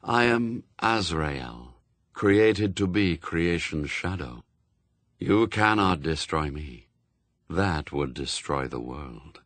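Man voicing slow, deep, solemn angel of death. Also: expressive, a bit bright, no echo, heavily acted. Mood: solemn, implacable. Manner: slow, grave, portentous delivery. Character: Death, solemn dark male angel of shadow.

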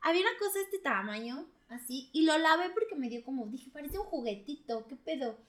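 A young adult woman with a Mexican accent, telling stories in casual chat, animated and quick to laugh and exclaim. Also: high voice. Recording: echoey room.

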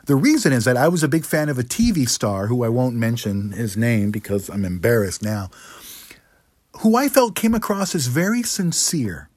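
A middle-aged man presenting a scripted lesson as a speaking coach, in a practiced higher register with deliberate phrasing and rhetorical asides. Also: sing-song, a little mellow, no room sound. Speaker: public speaking coach, host. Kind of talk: scripted instructional monologue.

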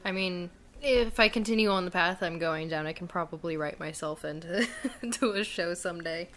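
A young woman chatting casually, easygoing and quick to laugh. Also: on the low side, fairly bright tone, a little hiss or hum. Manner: giggly, easygoing, talks about anime. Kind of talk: casual chat.

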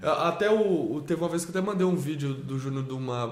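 Man, Brazilian accent, high-pitched, emphatic, repetitive, casual chat, echoey room. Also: animated, fast talker. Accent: Brazilian Portuguese. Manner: emphatic, repeats himself with many tag questions. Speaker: homeschooling father. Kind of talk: casual podcast conversation.

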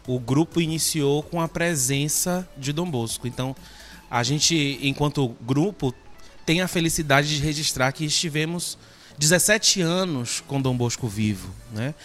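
A man, talking earnestly as a podcast guest and often filling with "né". His voice sits at a middle pitch. Faint music plays behind him. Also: normal speed. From Salvador, Brazil. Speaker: guest, alumni association president. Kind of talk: podcast interview.

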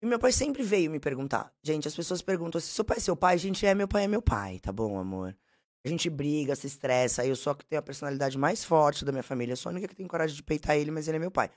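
A woman with a Brazilian Portuguese accent, telling blunt, animated, slangy stories as a podcast guest. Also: low-pitched, quick pace. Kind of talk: casual storytelling.

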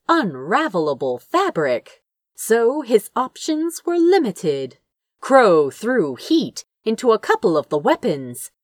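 A woman's voice: mid-range voice, no echo, clean studio sound. A woman reading a fantasy story aloud as narrator, with theatrical, suspenseful delivery. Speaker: fan fiction narrator.

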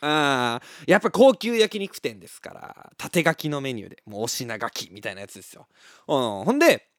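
A man with an Osaka Kansai accent tells a casual story, his voice somewhat high and swinging widely up and down. He laughs often and fills his talk with little pauses and fillers. The sound is close and dry, with no room around it. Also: very animated, dry recording. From Osaka, Japan.

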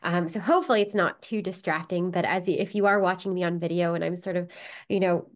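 A woman's voice: lowish voice, steady tone, fast. A woman with a cold and a stuffed-up voice, explaining spiritual ideas in a casual, conversational way, often checking in with "right?". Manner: conversational, frequent "right?" and "you know" fillers. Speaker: spiritual teacher.

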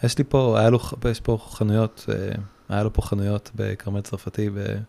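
A man in his thirties or forties, a podcast guest, talking casually and haltingly with many restarts. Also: lowish voice, completely flat delivery, gravelly, mellow. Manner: hesitant, many restarts and fillers. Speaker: guest, surfboard repairer.

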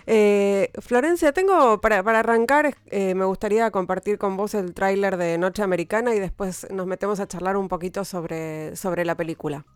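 A woman's voice: mid-range voice, moderate pace, hardly any pauses, clean tone, dry recording, faint music behind. A woman hosting an interview, often rephrasing her questions as she asks them. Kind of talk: casual interview.

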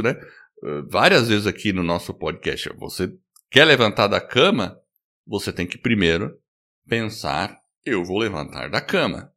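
A man hosting a podcast in casual chat, talking in a lively way and laughing easily. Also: fairly low pitch, creaky. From United States. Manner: lively, animated delivery with quick laughs. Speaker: podcast host.

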